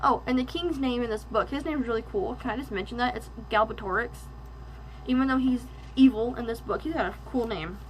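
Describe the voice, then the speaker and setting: A young woman reviewing a book, reading passages aloud in a flat, monotone way, with slips and restarts in between. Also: on the high side, a little fast, a little hiss or hum, low-quality recording. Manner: monotone delivery.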